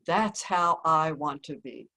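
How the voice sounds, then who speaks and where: A wise, kindly old grandfather, put on by a woman in the middle of her story. He speaks slowly and patiently, gently teaching a child. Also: deep voice, lively intonation, voice pushed down, full character voice. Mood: gently confiding.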